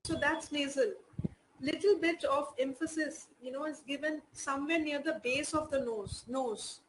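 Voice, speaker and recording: High-voiced Indian woman teaching. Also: normal speed, background noise. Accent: Indian English. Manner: explanatory, many "you know" fillers. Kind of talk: online class lesson.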